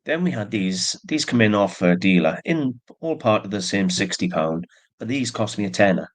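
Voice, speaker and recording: Stuffed up with allergies and yawning, this man talks at a normal speed in a lowish, expressive voice. His narration is casual show-and-tell as he describes the antique silver jewelry he sells, chatty and full of plain asides.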